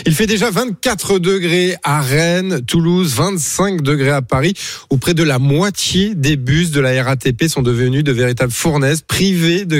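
A man presenting the news headlines on a morning radio show in a steady, read delivery. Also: a little high, no echo, clean studio sound.

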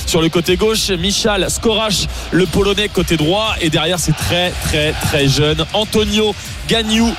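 High-voiced man reporting live on football. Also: measured pace, music in the background. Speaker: match correspondent.

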